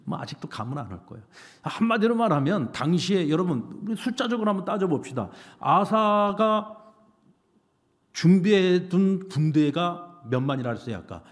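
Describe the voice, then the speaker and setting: A man preaching a sermon as pastor, animated, asking the congregation rhetorical questions. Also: high-pitched, moderate pace. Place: church sanctuary. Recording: reverberant church sanctuary.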